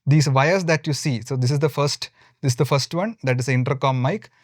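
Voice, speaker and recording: A man's voice: medium pitch, brisk, dry recording, studio quality. A man with an Indian accent giving an informal step-by-step tutorial as a moto vlogger, often repeating and rephrasing his points.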